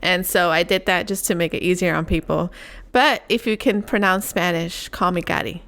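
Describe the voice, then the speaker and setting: A woman's voice: on the low side, fairly even intonation, moderate pace, a bit bright. A young woman from Puerto Rico chatting casually as co-host, rambling and laughing as she tells her story. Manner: rambling, laughs often, restarts thoughts. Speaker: podcast co-host. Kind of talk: casual chat.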